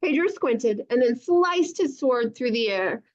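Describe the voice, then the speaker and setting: A woman reading a storybook aloud to children over a video call, with animated narration and encouraging, chatty asides, in dull lo-fi sound. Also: on the high side, measured pace. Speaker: children's author reading own book aloud.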